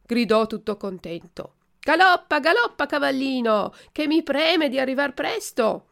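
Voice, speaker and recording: A woman narrating a classic storybook in a measured, expressive reading. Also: mid-range voice, creaky.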